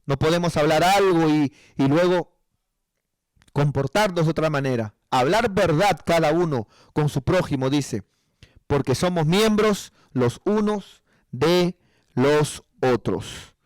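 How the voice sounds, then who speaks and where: A man delivering a sermon from the pulpit, his voice sitting a little high for a man. He preaches with rising emphatic passages and acts out prayers. The sound is dry and close. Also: lively intonation, slow pace, no room sound. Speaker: pastor.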